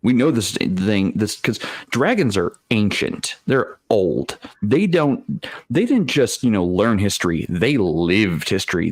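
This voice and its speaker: A man talking casually on an online panel as a game master, haltingly thinking aloud and using salty, colloquial language. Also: fairly low pitch, dry recording. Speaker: game master on a tabletop role-playing panel. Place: remote online video call.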